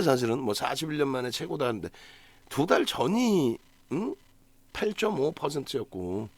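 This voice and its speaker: A man's voice: on the high side, dry recording. A man giving a solo stock market analysis broadcast, talking emphatically, asking himself rhetorical questions and checking in with the audience.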